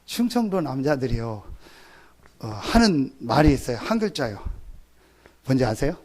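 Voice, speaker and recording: A man's voice: medium pitch, sing-song, normal speed, a little mellow. A man preaching a Sunday sermon as pastor, firing questions at the congregation and answering them himself. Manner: call-and-response questions to the congregation; acts out short exclamations in a mock rural voice. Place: church sanctuary.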